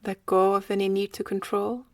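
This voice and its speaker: A woman leading a guided meditation in a slow, gentle manner with long pauses. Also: mid-range voice, little pitch movement, no echo.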